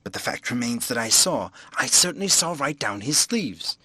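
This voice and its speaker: A man voicing an irritable, earnest gentleman investigator in an audiobook, clipped and easily rattled. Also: medium pitch, big pitch swings, moderate pace, husky, no room sound, exaggerated voice. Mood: fretful, insistent.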